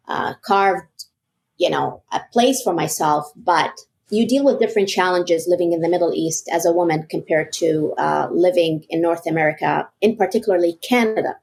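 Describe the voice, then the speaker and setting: A woman in her forties from Egypt, raised in Kuwait, speaking as an interview guest in a measured, thoughtful way. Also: lowish voice, creaky, a little mellow, a little hiss or hum. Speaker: guest, real estate broker. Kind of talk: interview conversation.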